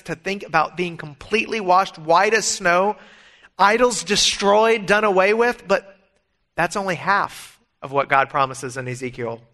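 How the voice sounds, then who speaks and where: A middle-aged male pastor preaches a sermon in a bright, slightly raised voice that sits a little high. Earnest and emphatic, he works through scripture and slips easily into personal stories.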